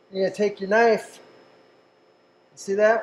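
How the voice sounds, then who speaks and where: A man speaks with a high pitch. Audible room echo and light background noise are present. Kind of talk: cooking tutorial. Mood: warm, relaxed, friendly. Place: kitchen.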